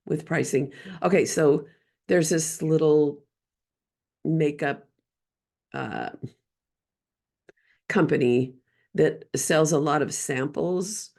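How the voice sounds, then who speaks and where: A woman's voice: deep voice, a little mellow. A woman hosting a casual solo podcast with a scratchy voice, rambling and losing her train of thought. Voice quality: gravelly. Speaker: podcast host and business coach.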